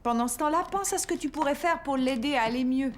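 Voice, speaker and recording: A woman's voice: high-pitched, fast talker, natural voice. A woman voicing a patient, caring mother in a cartoon dub, talking in a soothing, motherly way. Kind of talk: French cartoon dubbing.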